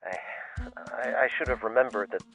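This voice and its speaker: A man's voice: mid-range voice, a little fast, pushed and bright, soft background music, rough recording. A man playing a flustered husband who narrates and talks in a hesitant, stammering way. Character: flustered husband and writer telling his tale. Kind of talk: audio drama narration and dialogue.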